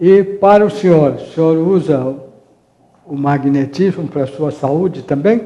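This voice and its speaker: A man with a fairly high pitch and a dark, mellow tone talks at a fairly slow pace, using ordinary pitch variation while his loudness swings widely. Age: 70s. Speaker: TV show host. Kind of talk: interview.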